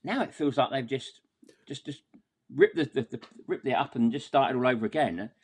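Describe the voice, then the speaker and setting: A man's voice: medium pitch, lively intonation, moderate pace, breathy edge. A man talking casually through a football match as a podcast guest, wordy and exasperated, often repeating words as he goes.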